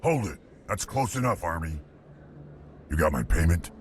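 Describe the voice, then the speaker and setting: An actor playing a swaggering, wary black-market arms dealer in a video game, gruff and curt. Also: male voice, low-pitched, sing-song, moderate pace, slight background noise.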